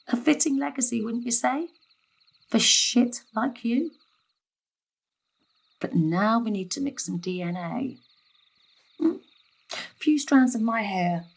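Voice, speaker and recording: Middle-aged mother in a stage thriller: highish voice, sardonic, chatty, coolly murderous. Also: gravelly, fairly bright tone, full character voice. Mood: cold, wry. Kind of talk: dramatic stage-thriller monologue and dialogue.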